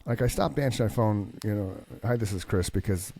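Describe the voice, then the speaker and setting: A man's voice: fairly low pitch, brisk, creaky, mellow, a little hiss or hum, rough recording. A man co-hosting a podcast, telling profane stories about phone calls in casual chat. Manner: swearing storyteller acting out phone calls. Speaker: podcast co-host.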